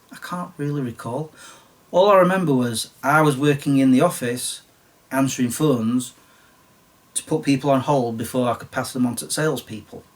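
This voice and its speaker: Man, late 40s, Sheffield accent, rambling chat, a bit croaky, mid-pitched, slightly off-mic. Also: distant mic. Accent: Sheffield English. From Sheffield, England. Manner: rambling, self-deprecating, chatty. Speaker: YouTuber. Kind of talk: casual storytelling monologue.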